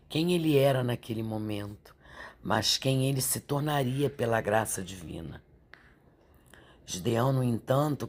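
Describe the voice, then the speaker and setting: A woman, stuffy and nasal from a sore throat, leading a slow, gentle Bible meditation and prayer. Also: extremely low pitch, husky. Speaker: Bible devotional teacher.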